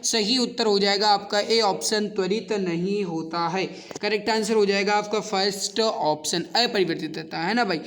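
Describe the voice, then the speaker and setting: A man teaches an exam class in a high-pitched, sharp, bright voice. He works through quiz questions in an instructive way, speaking directly to his students and restating each question and answer. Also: moderate pace. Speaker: exam-prep science teacher. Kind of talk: online lesson, working through quiz questions.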